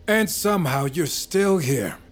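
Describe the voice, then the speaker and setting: An actor playing a calm, mercurial sorcerer-doctor who speaks in a measured, commanding way. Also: male voice, fairly high pitch. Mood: composed. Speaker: actor in audio drama. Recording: loud score mixed under voice.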